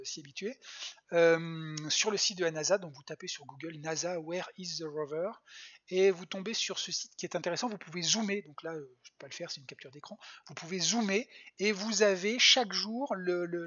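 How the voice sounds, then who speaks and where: Science educator, live online talk for kids, hesitant, husky, lo-fi stream audio. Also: mid-range voice, fairly bright tone. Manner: hesitant, many fillers and restarts, answers viewers' questions. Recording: dull lo-fi home stream audio.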